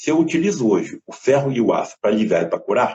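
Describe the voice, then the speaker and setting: Somewhat breathy, a man speaks at a very fast pace with lively intonation. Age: 70s. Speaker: doctor. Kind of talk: interview.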